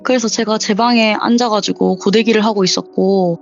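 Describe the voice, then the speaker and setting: On a voice call with dull audio and soft background music, a young woman in her twenties tells a true scary story as a caller, chatting casually and acting out what people said. Her medium-pitched voice is creaky, with fairly even intonation and a moderate pace.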